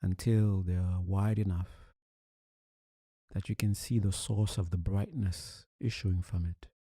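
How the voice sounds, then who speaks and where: A man leading a guided meditation as a teacher, speaking calmly and soothingly with long, deliberate pauses. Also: low-pitched, husky, no echo, studio quality.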